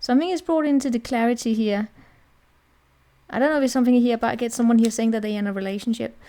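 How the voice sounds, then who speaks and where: A woman's voice: on the high side, fast, mellow. A woman giving a casual tarot reading in a chatty, rambling way, often checking in with the listener. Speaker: tarot reader.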